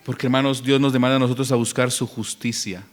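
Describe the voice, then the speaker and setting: A man preaching a Sunday sermon in a church, fervent and emphatic, moving between hushed pleading and loud bursts. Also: medium pitch, steady tone, quick pace. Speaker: pastor. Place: church sanctuary.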